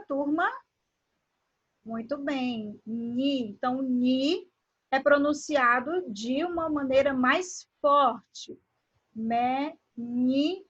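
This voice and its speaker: A woman teacher from Brazil, giving a grammar lesson. She draws words out slowly and asks the class questions as she explains. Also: high voice, fairly bright tone, muffled recording. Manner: slow, drawn-out word pronunciation with questions to the class.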